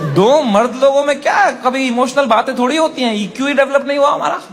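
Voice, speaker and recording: A male stand-up comedian telling a story in an animated, crude, self-mocking manner, recorded live on stage. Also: very high-pitched, fairly quick, some chatter behind. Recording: live stage with audience and noise. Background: audience laughter and room noise.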